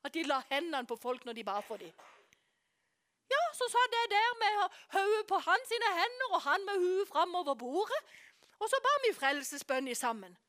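A woman preacher delivering a sermon as a lively story. Her voice is high and moves widely in pitch. She sometimes sinks into hushed whispers for emphasis. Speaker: preacher and course teacher.

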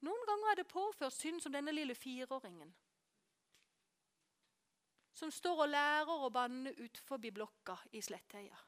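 A woman preaching a sermon, telling a story with animation and dropping to hushed whispers for emphasis. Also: sits high, big pitch swings, pauses often. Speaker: preacher and course teacher.

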